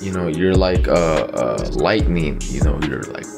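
A man's voice: very deep voice, lively intonation, unhurried, creaky, over loud music. A young man in his twenties hosting a casual self-improvement vlog from a small bedroom, talking into a close phone camera in a loose, rambling way full of "you know" and slang. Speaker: channel host.

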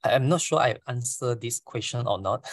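A Malaysian man in his forties, a lecturer briefing over a video call, halting and repeating words. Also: mid-range voice, lively intonation, no echo, studio quality. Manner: halting, repeats words, non-native grammar.

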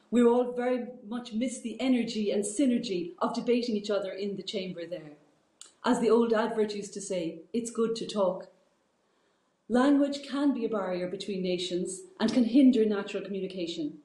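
A middle-aged Irish woman, a regional representative and teacher from Ireland, delivers an earnest, formal prepared political speech over a video call from an indoor office. Her voice is mid-range and mellow with an Irish accent, and the video-call link carries an echoey room sound.

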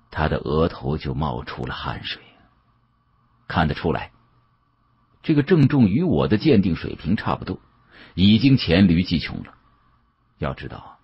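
A man's voice: low-pitched, slightly rough, dry recording, highs cut off. A man narrating an audiobook as a dramatic storyteller.

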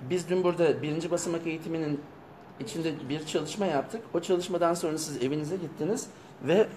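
A man leading a live seminar session, calmly repeating back what participants say. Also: fairly high pitch, quick pace, slight background noise. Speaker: seminar leader.

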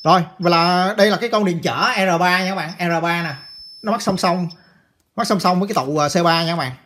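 A chatty man walks viewers through a circuit board repair at his workbench. His voice sits a little high for a man, and he keeps repeating phrases and calling out to the audience as he works. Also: a little fast, fairly bright tone. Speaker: electronics repair instructor. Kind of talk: casual hands-on repair tutorial.

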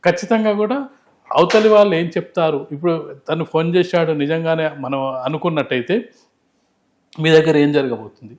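A man's voice: on the high side, fairly quick, a little mellow. A man giving unscripted political analysis in an interview, emphatic and explanatory, repeating phrases to drive points home.

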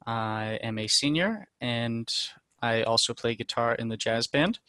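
A young man in his twenties with a New Zealand accent, introducing himself to a webcam in a small home music room, relaxed and hesitant with many ums. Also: medium pitch, unhurried, clear, resonant tone, dry recording. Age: 20s. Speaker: student musician. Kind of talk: casual self-introduction to camera.

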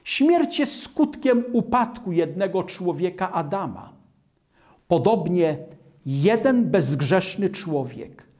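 An older man preaching a sermon in a slow, measured way, recorded in a studio. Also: high voice, a little mellow. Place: studio in front of a starry-sky backdrop.

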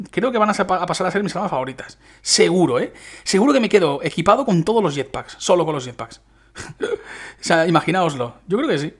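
Young man, Spain Spanish accent, gaming commentary, excitable, chatty, slightly high voice. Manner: excitable, chatty, addresses viewers as chicos. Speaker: gaming youtuber. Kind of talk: casual gameplay commentary.

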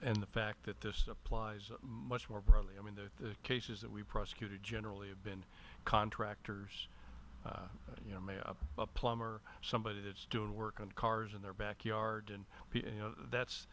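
A man speaking in a measured, lawyerly way as he gives formal but halting remarks at a public meeting. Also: lowish voice, flat delivery, pushed and bright. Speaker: city attorney. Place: indoor council meeting room. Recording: noisy room public-meeting microphone.

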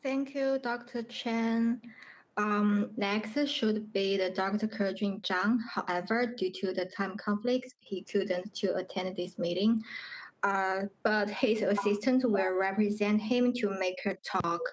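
Woman w chairing an online seminar, mid pitch, takes it slow. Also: steady tone, slight background noise, low-quality recording. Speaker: session moderator. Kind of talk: moderating an online academic meeting.

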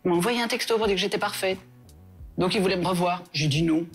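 A woman from Belgium with a Belgian French accent, a guest chatting in a lively, playful way. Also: lowish voice, quick pace, faint music behind. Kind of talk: casual chat.

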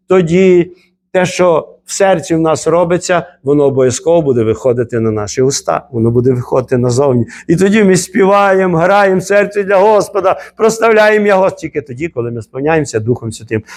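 A man's voice: fairly high pitch, darkish tone. Fervent Ukrainian-speaking male pastor preaching. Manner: preacherly, rising to emphatic repeated exhortations. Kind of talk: sermon.

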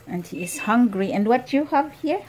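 A woman with a Filipino accent cooking at home for her husband in a casual vlog, talking in halting English mixed with German and Filipino words. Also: a little high, lively intonation, darkish tone. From Philippines. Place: home kitchen.

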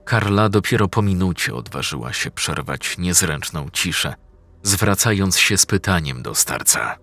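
A man with a Polish accent narrating a horror story in a slow, measured, ominous way. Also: sits low, animated, sharp tone.

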